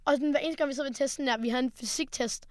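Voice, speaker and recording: A teenage girl co-hosting a podcast, telling rambling, animated stories in casual chat. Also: high voice, no echo, clean studio sound. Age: late teens. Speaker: podcast co-host. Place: studio.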